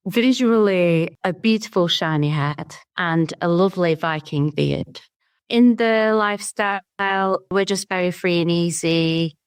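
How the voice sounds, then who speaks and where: A woman's voice: fairly low pitch, clear, resonant tone. A woman, a podcast guest who answers in an easygoing, thoughtful way. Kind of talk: casual interview answers.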